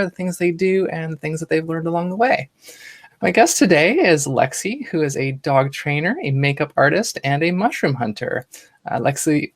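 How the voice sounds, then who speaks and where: A woman hosting a podcast interview, talking casually and rambling a bit, with lots of fillers and restarts. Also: deep voice. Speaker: podcast host. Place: Toronto, Canada.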